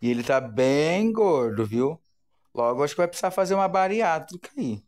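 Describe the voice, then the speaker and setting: A man with a Brazilian Portuguese accent chatting playfully to viewers from his living room, narrating in an animated way. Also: fairly high pitch, moderate pace. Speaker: vlogger. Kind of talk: casual chat to viewers. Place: home living room with a sofa.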